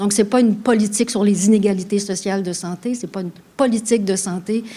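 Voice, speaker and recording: The voice moves at a very fast pace, somewhat breathy, with a dark, mellow tone. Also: woman, medium pitch for a woman, fairly even intonation. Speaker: public health policy adviser. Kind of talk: conference presentation. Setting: conference stage with audience. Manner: soft-spoken.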